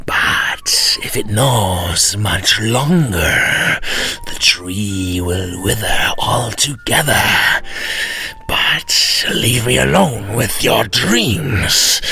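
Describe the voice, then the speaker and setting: A man voicing a gruff, ill-tempered male devil in a storybook reading, with slow, drawn-out, loud delivery. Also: lowish voice, exaggerated voice.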